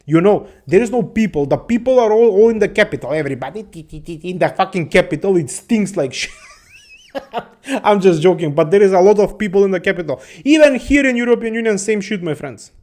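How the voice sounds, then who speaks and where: A man's voice: sits high, expressive, brisk, darkish tone. A man from the Balkans, hosting a casual monologue to his viewers. He rambles, swears and laughs often, and keeps addressing listeners as his friends. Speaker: host.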